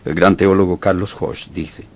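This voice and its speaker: A man preaching a sermon in an emphatic way, with sudden rises in pitch and loudness. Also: fairly even intonation, moderate pace, no echo.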